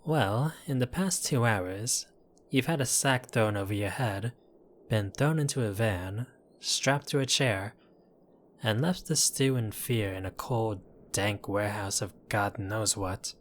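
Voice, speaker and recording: Man acting as a gentlemanly mafia boss, slow delivery, flirtatious, wry, apologetic, intimate audio drama. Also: lowish voice, slight background noise, close to an everyday voice. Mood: flirtatious, admiring. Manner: unhurried, flirtatious, wry, addressing listener as doll. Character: apologetic, charming mobster, exasperated yet courteous. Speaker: voice actor in audio roleplay.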